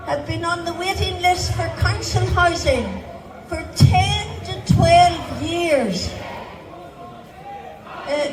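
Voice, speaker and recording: A speaker shouting a slow protest speech in short phrases at an outdoor rally. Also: extremely high pitch, reverberant, far from the mic, rough recording. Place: town square outdoors.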